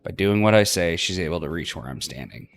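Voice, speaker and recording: A man narrating a story game aloud as a let's play host, expressive in his reading. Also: sits low, a little fast, faint music behind.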